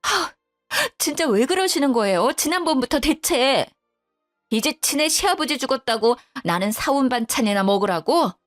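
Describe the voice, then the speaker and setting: A woman voicing a sulky, sharp-tongued widowed older mother-in-law who grumbles bluntly and pities herself. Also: high-pitched, expressive, moderate pace, faint music behind. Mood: indignant. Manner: blunt, grumbling, self-pitying.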